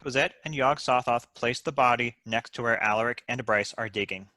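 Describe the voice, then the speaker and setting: A man narrates screenplay directions in a scripted style. His voice is mid-pitched with a bright, forceful edge, and the sound is close and dry. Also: fairly quick, dry recording. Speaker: stage directions reader.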